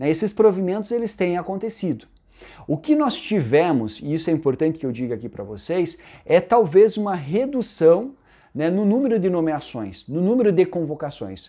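In a quiet background, a man speaks at a high pitch and a moderate pace with very wide pitch swings. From Paraná, Brazil. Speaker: exam-prep teacher. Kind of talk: video lecture to camera. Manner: informal, conversational. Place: office. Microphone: lapel.

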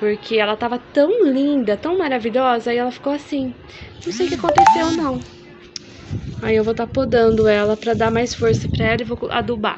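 Music in the background behind a woman's fairly quick delivery. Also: ordinary pitch variation. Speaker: homemaker vlogger. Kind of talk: casual vlog chat. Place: garden. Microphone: phone near.

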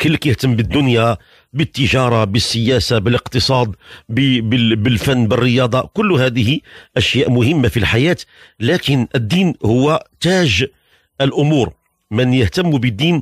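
The voice carries a Moroccan accent with very even loudness and a dry, close sound with no echo. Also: man, medium pitch for a man, ordinary pitch variation, fairly slow pace. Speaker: religious radio host answering callers. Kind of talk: religious call-in advice show.

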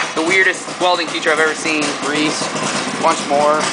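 Speech at a moderate pace comes through loud background noise. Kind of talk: casual vlog chat. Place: garage. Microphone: phone near.

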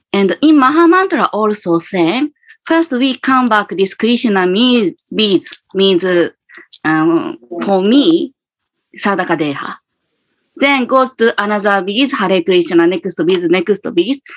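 A woman speaks very slowly at a fairly high pitch, with very wide pitch swings and long, frequent pauses. Her loudness stays very even, and the background is quiet. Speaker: spiritual practitioner and interpreter. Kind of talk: personal sharing in a group discussion. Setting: video call. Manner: halting. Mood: warm, earnest, smiling. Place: home room. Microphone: webcam.

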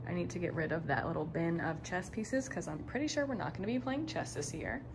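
Over background music, a soft-spoken woman talks at a very fast pace and a fairly low pitch. Her pitch swings very widely. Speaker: elementary school teacher. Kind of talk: casual vlog narration. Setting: empty school classroom. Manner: quiet, soft-spoken. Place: classroom. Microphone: phone near.

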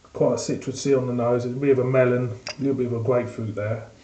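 Room echo is audible as a man speaks in a monotone with flat intonation. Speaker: beer reviewer. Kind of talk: casual review vlog. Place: home room. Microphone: webcam.

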